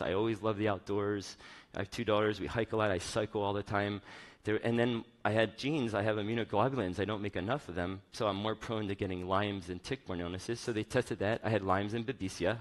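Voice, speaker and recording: A middle-aged man giving an informal, personal conference talk on stage in a conversational, rambling way. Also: fairly low pitch. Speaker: chief medical officer giving a keynote.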